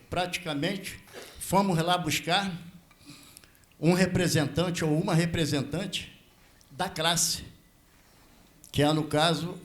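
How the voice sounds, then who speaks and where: A man in his seventies with a Brazilian accent, giving an impromptu speech at a public hearing in a formal, halting manner. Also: fairly high pitch. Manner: formal deferential address, halting with repetitions. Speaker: veteran prison officer speaking as a member of the public.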